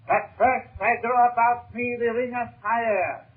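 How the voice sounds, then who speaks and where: Solemn tribal judge, very high-pitched. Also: male voice, steady tone, measured pace, narrow, tinny audio. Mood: solemn, ritual. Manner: ceremonial, declamatory. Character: solemn, menacing tribal leader presiding over a trial. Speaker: radio serial actor. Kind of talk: 1930s radio serial acting. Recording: noisy, thin 1930s radio recording.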